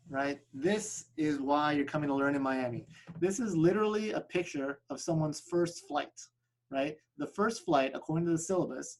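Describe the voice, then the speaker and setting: An upbeat man whose first language is Spanish walks listeners through his flight school on a video call. His voice sits a little high for a man, and he keeps tossing in a quick "right?" as he pitches. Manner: upbeat sales pitch, frequent tag "right?". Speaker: flight school representative presenting a webinar. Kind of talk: presenting slides on a video call webinar.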